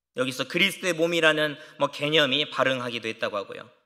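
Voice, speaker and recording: A man talks at a very fast pace. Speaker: pastor. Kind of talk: sermon. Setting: church.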